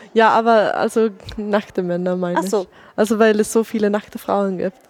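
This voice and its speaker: A woman speaking at a moderate pace with fairly even intonation, dry and close with no echo, over noticeable background noise. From Sweden. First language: Swedish (speaking German). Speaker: exchange student. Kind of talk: casual chat. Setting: in a museum exhibition. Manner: halting.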